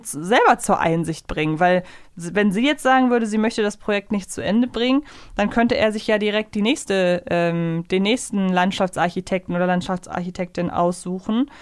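A woman's voice: medium pitch, moderate pace, no room sound, clean studio sound. A woman co-hosting a casual review podcast, rambling and correcting herself as she goes. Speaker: podcast co-host.

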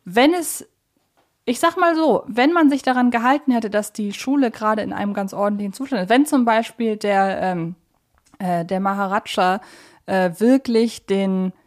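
A woman's voice: mid-range voice, normal speed. A woman hosting a casual podcast discussion, chatty and rambling, often correcting herself mid-thought. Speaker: podcast host. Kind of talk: casual podcast discussion of an audio drama series.

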